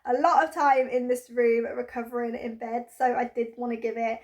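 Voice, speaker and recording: A woman's voice: fairly high pitch, level tone, moderate pace, darkish tone. Bunged-up woman vlogging. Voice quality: bunged up, nasal. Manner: chatty and bubbly. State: congested with a cold; out of breath. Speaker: home vlogger. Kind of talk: cleaning vlog chat. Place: bedroom at home.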